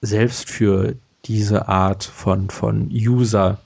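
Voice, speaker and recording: A man's voice: lowish voice, steady tone, extremely slow, vocal fry, a little mellow, slightly rough. A man in his late twenties co-hosting a podcast, chatting casually with lots of fillers and restarts. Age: late 20s. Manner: rambling, many fillers and restarts, laughs often. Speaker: podcast co-host. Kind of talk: casual chat.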